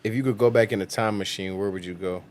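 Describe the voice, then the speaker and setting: A man's voice: fairly low pitch, fairly even intonation, fast, slight background noise. A man hosting a podcast, asking short casual questions and affirming the guest briefly. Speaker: podcast host.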